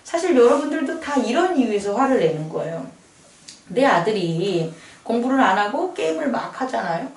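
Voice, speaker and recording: A woman's voice: high-pitched, echoey room, distant mic. A woman pastor preaching a sermon in a conversational way, often asking the congregation questions. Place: church sanctuary.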